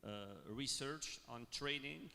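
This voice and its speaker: Bright-voiced man with many restarts, reverberant. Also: medium pitch, fairly even intonation, vocal fry. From Morocco. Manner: halting, many fillers and restarts. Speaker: university panelist. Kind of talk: panel discussion remarks. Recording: long hall reverb.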